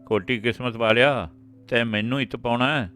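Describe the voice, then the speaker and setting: A wailing older village grandmother, as a man puts her on in a storybook reading, her voice lifted a little above his usual low tone. She pleads and scolds in a louder, imploring way. Soft instrumental music plays faintly behind her. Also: a little fast, natural voice. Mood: scolding curses.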